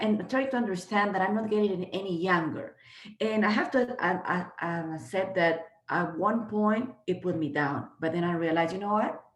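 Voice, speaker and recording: A woman in her fifties from Peru, speaking natively, who gives an earnest, halting motivational talk on a video call, full of fillers and restarts. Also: mid-range voice, roomy sound. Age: 50s. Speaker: guest trainer.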